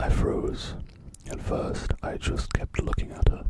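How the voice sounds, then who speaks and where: A whispering voice moves at a fairly slow pace. Behind it, there is noticeable background noise. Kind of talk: ASMR horror story reading.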